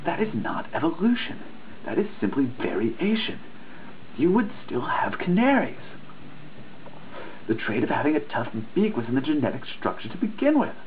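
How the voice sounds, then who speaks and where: A man's voice: on the high side, wildly swooping pitch, normal speed. A man giving a dramatic reading of a written text, earnest and emphatic in a preachy way, now and then stumbling over a word. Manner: earnest, emphatic, preachy delivery with occasional misreadings. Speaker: reader of a dissertation. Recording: tinny phone-like sound with faint noise.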